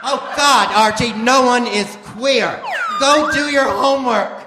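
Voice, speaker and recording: A man's voice: very high-pitched, measured pace, roomy sound, music in the background, pitched above the performer's own voice. A man playing a stuffy, flustered husband and father in a comic radio play, mock-formal and exasperated. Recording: noisy live theater stage recording.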